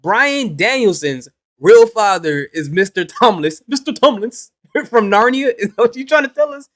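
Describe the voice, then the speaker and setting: A man's voice: high-pitched, lively intonation, a bit bright. A man hosting a reaction video, chatting casually and laughing as he jokes along. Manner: laughs a lot, quick joking asides.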